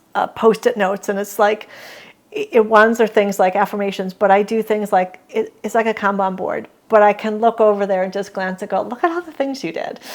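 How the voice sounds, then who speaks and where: A normal speaking voice with an American accent moves at a fairly quick pace with fairly even intonation. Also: woman, medium pitch for a woman. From New England (Cape Cod, Massachusetts). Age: 60s. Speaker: change management consultant. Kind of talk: podcast interview.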